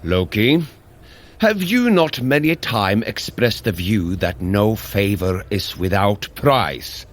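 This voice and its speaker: An actor playing an earnest, long-suffering god in an audio drama, with a measured, formal and drily teasing delivery. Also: male voice, on the low side, lively intonation. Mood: skeptical. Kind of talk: scripted audio drama acting.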